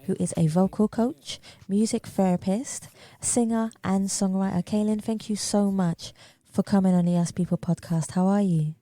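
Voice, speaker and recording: A woman's voice: mid-range voice, fairly even intonation, moderate pace, hardly any pauses, dark tone, no echo. A woman hosting a podcast, giving an introduction and putting questions to a guest. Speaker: podcast host. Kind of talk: scripted introduction and interview questions.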